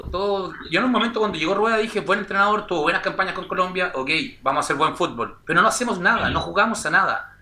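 A man's voice: high-pitched, bright, forceful tone. A man on a football panel, talking in a heated, complaining way. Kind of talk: sports talk debate. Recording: roomy sound with faint noise.

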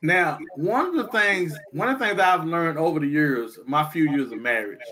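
A man's voice: a little high, animated, normal speed, bright, forceful tone, rough recording. A man in his fifties co-hosting a casual chat show, talking emphatically and repeating his points like a sermon. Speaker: podcast co-host.

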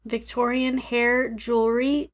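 High-pitched woman, podcast co-host, playful dramatic storyteller. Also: little pitch movement, slow. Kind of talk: casual chat.

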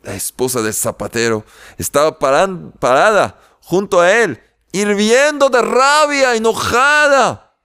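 A man telling a religious folk tale to listeners in a lively, animated way. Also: high voice, measured pace, clear, resonant tone. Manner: lively, animated, laughs at his own tale. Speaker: storyteller.

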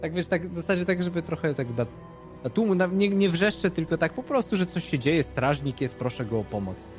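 A man's voice: fairly high pitch, lively intonation, brisk, a little mellow, soft background music. Hesitant male tabletop player. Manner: hesitant, swearing, laughing. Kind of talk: casual tabletop game chat.

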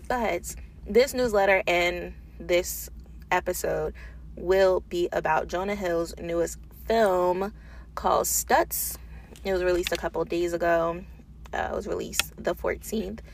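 Low, creaky-voiced woman podcasting casually. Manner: informal, thinking aloud. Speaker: podcast host. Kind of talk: casual solo podcast talk, unedited. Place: small booth in an office.

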